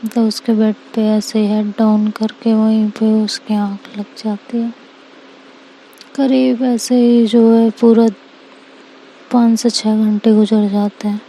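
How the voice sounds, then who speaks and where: A woman narrating a romance story in an unhurried, conversational way. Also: fairly high pitch, mellow, a little hiss or hum, low-quality recording.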